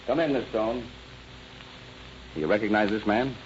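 A man's voice: lowish voice, moderate pace, close to an everyday voice. An actor playing a firm, commanding male police captain in a 1930s radio drama. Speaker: police detective. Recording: dull old radio recording with faint noise.

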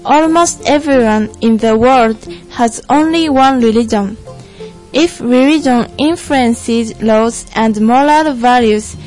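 Young woman acting as earnest jewish lady panelist, really slow scripted delivery, music behind. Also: fairly high pitch, darkish tone, low-quality recording. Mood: earnest, didactic. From Japan. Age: young adult. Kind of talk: scripted student stage play.

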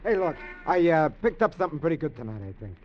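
A man's voice: on the high side, very animated, fast talker, faint music behind. An actor playing an eager small-time male burglar with pushy street slang in a 1950s radio drama. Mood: scheming. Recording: dull old radio recording.

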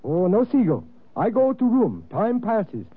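A man's voice: sits high, wildly swooping pitch, a little slow, breathy edge, no room sound, heavily acted. An actor playing a pushy male chauffeur-servant who speaks in clipped, broken English, in a 1940s radio drama. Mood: concerned. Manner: clipped broken phrasing, insistent. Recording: tinny old radio broadcast.

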